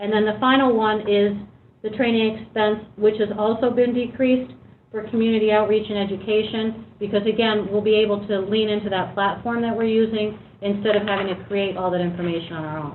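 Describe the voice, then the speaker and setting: A woman at a fairly quick pace, fairly even intonation, and audible room echo. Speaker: city recycling staff member. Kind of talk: budget presentation at council meeting. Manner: fast.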